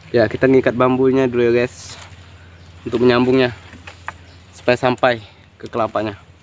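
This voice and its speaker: The speech runs at a fairly quick pace with monotone, flat intonation and long, frequent pauses. Noticeable background noise is present. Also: man, medium pitch for a man. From Riau, Indonesia (Indragiri Hilir, Malay native). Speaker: vlogger. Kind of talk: casual vlog narration. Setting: outdoors.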